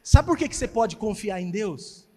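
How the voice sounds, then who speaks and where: A man preaching as pastor, telling a testimony with animated storytelling and emphatic exhortation. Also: high voice, moderate pace, husky. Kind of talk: sermon with testimony. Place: church hall. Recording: church hall reverb.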